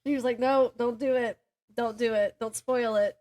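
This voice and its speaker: A young woman with a distinctly high voice talks as a podcast co-host. She rambles through everyday stories in a casual, chatty style, and her delivery is giggly. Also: steady tone, moderate pace, darkish tone. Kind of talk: casual chat between friends.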